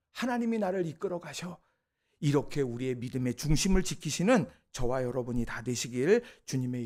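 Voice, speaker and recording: Very high-pitched male pastor preaching. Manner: earnest, exhorting, asks the congregation questions. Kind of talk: sermon.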